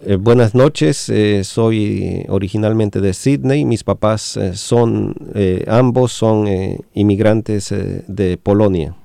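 Slow gravelly man, halting radio host, dark voice. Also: lowish voice, steady tone, dry recording. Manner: many fillers and restarts, slow and halting. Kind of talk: hesitant radio talk.

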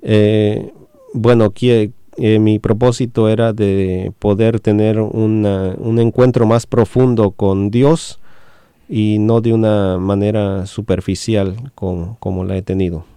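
Slow gravelly man, halting radio host, dark voice. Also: lowish voice, flat delivery, dry recording, clean studio sound. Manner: many fillers and restarts, slow and halting. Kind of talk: hesitant radio talk.

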